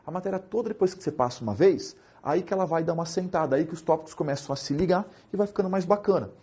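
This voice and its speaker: A young man with a Brazilian Portuguese accent teaching administrative law in a lively lecture, joking and asking rhetorical questions. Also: fairly high pitch, racing, husky. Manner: animated, jokey, asks rhetorical questions.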